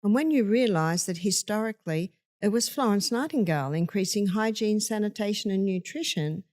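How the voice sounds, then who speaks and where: A woman's voice: medium pitch, animated, a little fast, a little mellow. An older woman speaking as a guest in a conversational interview, emphatic and storytelling, acting out quotes. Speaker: health speaker.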